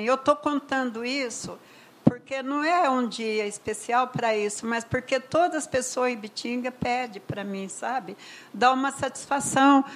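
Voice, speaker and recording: An older woman with a Brazilian accent, telling a personal story as a mother in an emotional, conversational way, often trailing off softly. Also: a little high, poor audio. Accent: Brazilian Portuguese. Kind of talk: personal testimony.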